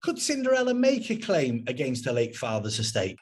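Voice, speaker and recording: A man hosting an interview, chatty and relaxed, with plenty of fillers as he introduces his guest. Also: mid-range voice, fairly quick, husky. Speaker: host.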